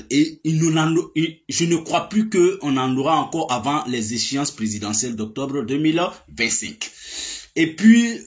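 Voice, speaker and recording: A man, giving a casual political monologue with many fillers and emphatic outbursts. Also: mid-range voice. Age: 30s. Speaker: political commentator.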